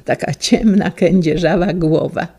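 A woman voicing a gentle, wistful elderly male schoolteacher, speaking softly and haltingly. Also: lowish voice, breathy edge. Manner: soft, halting and tender.

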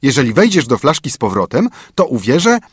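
A quick-witted young student, pitched up and eager, with a husky edge, as a storyteller puts him on. His lines leap around in pitch. The recording is dry and close. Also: sing-song, no room sound. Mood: defiant. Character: clever, calm young male student. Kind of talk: storybook reading.

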